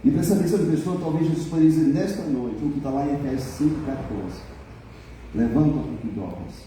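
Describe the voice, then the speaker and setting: A man's voice: a little high, fast, dark tone, a little hiss or hum. A middle-aged man, preaching a humorous sermon and teasing his congregation. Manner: joking, teasing the congregation, mimicking people. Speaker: pastor. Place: church hall. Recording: echoey hall from a distant mic.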